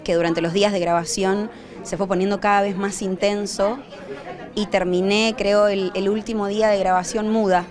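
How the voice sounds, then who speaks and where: A woman's voice: mid-range voice, little pitch movement, normal speed, a little mellow, some chatter behind. A woman, an actress, speaking personally and sincerely in a casual interview. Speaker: actress and singer.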